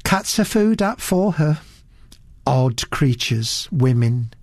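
A man's voice: mid-range voice, sing-song, takes it slowly, darkish tone, no echo, studio quality. A man voicing a melancholy, sardonic theatre producer who murmurs his remarks drily.

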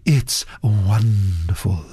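A man's voice: lowish voice, very slow, mellow, slightly rough, dry recording, faint music behind, voice pushed down, exaggerated voice. A man voicing a dreamy, absent-minded actress who murmurs and gushes over food.

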